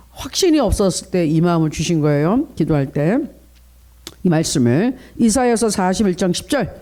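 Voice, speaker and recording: A man's voice: sits high, a little mellow. A middle-aged male pastor preaching at a dawn prayer service, earnest, coaching the congregation in how to pray and asking for their responses.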